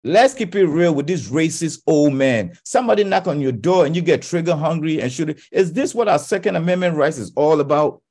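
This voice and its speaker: A man's voice: on the high side, lively intonation, a little fast, hardly any pauses, a little mellow, husky. A man hosting a radio talk show, giving impassioned commentary with stumbling restarts.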